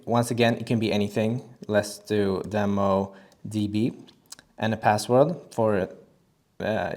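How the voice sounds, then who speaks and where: A man presenting a casual screen-recorded software tutorial, talking in a relaxed way with frequent fillers and restarts. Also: fairly low pitch.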